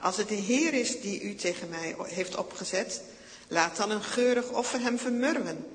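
A man voicing the young warrior David, earnest and calling out loudly. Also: high-pitched, animated, normal speed, big-room sound, voice pushed up. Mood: pleading.

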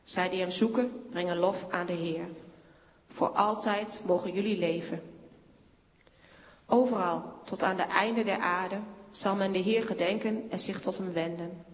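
A woman reading scripture aloud in church with a measured, solemn delivery. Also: fairly low pitch, fairly even intonation, big-room sound. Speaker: scripture reader.

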